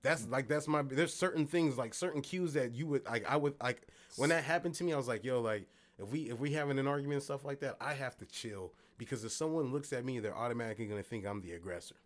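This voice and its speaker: A man's voice: mid-range voice, fast. A young man co-hosting a casual chat, loose and slangy, often laughing. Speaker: podcast co-host.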